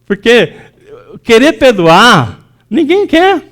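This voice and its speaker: A man with a high voice preaches a sermon in a church. He talks loosely, with many fillers and restarts, and he acts out the words of the people in his stories. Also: sing-song, slow pace, fairly bright tone. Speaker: pastor.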